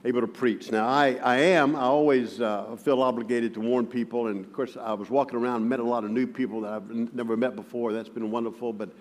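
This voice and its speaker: A man's voice: medium pitch, fairly even intonation, a little fast, few pauses. A man preaching as a guest, who stutters with frequent repeated words and tells stories with self-deprecating humor. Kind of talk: sermon with personal storytelling. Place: church sanctuary. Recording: long reverb of a large hall.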